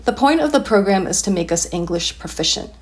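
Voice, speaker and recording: A woman whose first language is Cantonese, reading excerpts from her personal essay in a measured, reflective way. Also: mid-range voice, animated.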